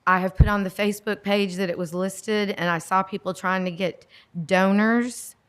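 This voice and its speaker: Woman pleading her case at a meeting. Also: mid-range voice. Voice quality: loud voice. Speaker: property owner addressing a board. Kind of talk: informal public testimony at a government meeting. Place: indoor public meeting room.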